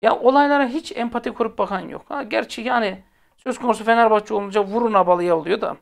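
On his football fan channel, a fast-talking man with a high-pitched, gravelly voice rants to viewers in a blunt, exasperated manner. He addresses them head-on, heated, hammering home points by repeating phrases.

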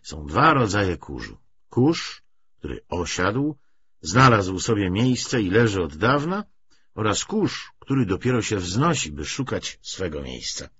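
A man narrates a novel in a fairly low, husky voice. His reading of the literary prose moves expressively up and down in pitch. The audio is a little dull. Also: sing-song, a little slow, fairly bright tone, no room sound.

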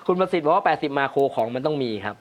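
A fast-talking, expressive man with a slightly high voice chats casually on a livestream, giving feedback on viewers' photography. He keeps reading their comments aloud and laughing a lot.

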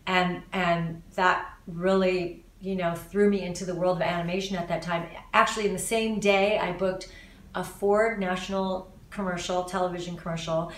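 A woman in her forties from Los Angeles, a voice actor answering interview questions in a casual, animated way with frequent restarts, filmed in a living room. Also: fairly low pitch, normal speed. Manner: animated, talks with her hands, many restarts. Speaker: voice actor guest. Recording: roomy, slightly distant sound.

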